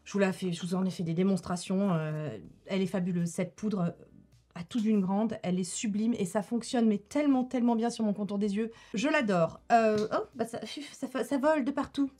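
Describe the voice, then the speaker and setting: A woman's voice: medium pitch, moderate pace, warm tone. A woman, chatting casually to camera about her favourite beauty products and laughing often. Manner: chatty, laughs often, repeats herself for effect. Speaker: beauty YouTuber.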